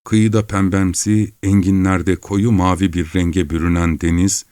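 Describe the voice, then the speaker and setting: A man with a low voice reads a story aloud at a calm, measured pace. The sound is dry and close, with no room around it. His narration stays even and unhurried. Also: smooth, dry recording. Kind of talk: audiobook narration.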